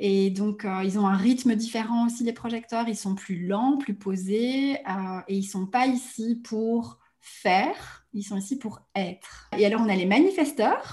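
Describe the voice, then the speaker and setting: A woman at a very slow pace with hardly any pauses and ordinary pitch variation. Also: fairly high pitch for a woman. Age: 30s. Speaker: life coach. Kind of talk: casual chat.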